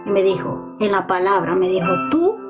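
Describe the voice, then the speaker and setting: A woman's voice: medium pitch, level tone, a little fast, music in the background. A woman preaching a personal testimony in an impassioned, repetitive style, speaking straight to her listeners. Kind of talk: testimony sermon.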